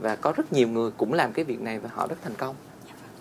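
With noticeable background noise behind him, the man talks at a medium pitch that varies in an ordinary way. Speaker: film poster designer, creative director. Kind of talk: interview answers, casual talk. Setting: livestream.

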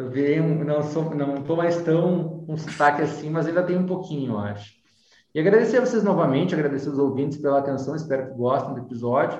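With audible room echo around him, a man talks at a fairly quick pace and a fairly high pitch, using ordinary pitch variation. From Porto Alegre, southern Brazil. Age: young. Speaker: public prosecutor. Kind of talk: interview.

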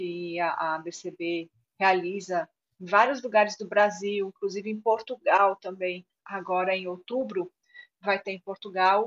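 Using a plain, everyday voice, a woman speaks at a fairly slow pace with medium pitch, fairly even intonation and big swings in loudness. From Brazil, São Paulo. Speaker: biblical counselor and author. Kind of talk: podcast interview.

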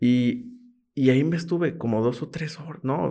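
The pitch rises and falls in an ordinary way. It is an ordinary speaking voice. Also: man. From Mexico, Torreón (Coahuila). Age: 20s. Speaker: podcast host and communications strategist. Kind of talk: casual interview chat. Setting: in-person studio recording.

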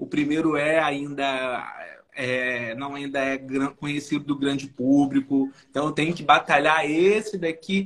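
A man with a normal speaking voice, a fairly high pitch and fairly even intonation at a fairly slow pace. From interior of Rio de Janeiro state, Brazil. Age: 30s. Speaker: author and psychologist. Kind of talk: casual interview on a livestream.

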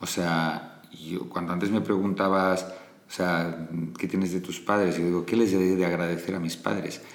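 Room echo is audible as a man speaks at a moderate pace. His voice is very deep and low, and his intonation stays flat and monotone. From Catalonia, Barcelona. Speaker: chef. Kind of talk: interview. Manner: halting.

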